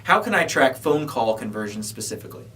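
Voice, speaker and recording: A man's voice: mid-range voice, very animated, fast talker, sharp tone, a little hiss or hum. A man co-hosting a question-and-answer show, presenting questions and giving orderly advice. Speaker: co-host. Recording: distant mic pickup.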